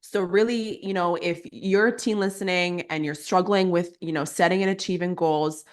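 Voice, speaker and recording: Earnest young woman coach, lowish voice. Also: steady tone, normal speed. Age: young adult. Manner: earnest, explanatory, uses fillers like "like". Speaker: guest, teen life coach. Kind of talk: interview answers.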